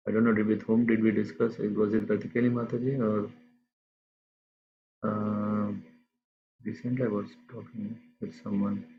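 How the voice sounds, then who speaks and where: Man, scripture class leader, lowish voice, halting delivery full of fillers, phone-quality audio. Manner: unhurried, halting with many fillers. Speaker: class speaker. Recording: tinny phone-like line.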